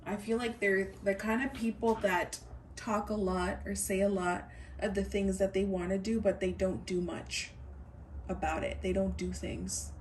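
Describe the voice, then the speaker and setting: A woman's voice: mid-range voice, fairly even intonation, a little slow, recorded from a distance, a little hiss or hum. A woman giving a pick-a-card tarot reading, musing aloud, repeating her phrases and speaking straight to her viewers. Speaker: tarot reader.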